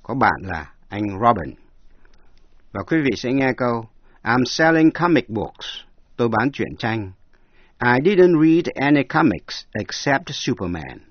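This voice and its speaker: A man's voice: mid-range voice, very animated, no echo, dull audio. Man teaching English, spelling words out. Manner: spells words letter by letter, slow explanations. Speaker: language teacher. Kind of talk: bilingual English lesson narration.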